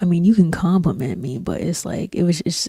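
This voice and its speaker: Soft-spoken and breathy, a woman talks fairly quickly at a fairly low pitch. Her tone is dark and mellow, with vocal fry. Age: 20s. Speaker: gaming streamer. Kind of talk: casual chat.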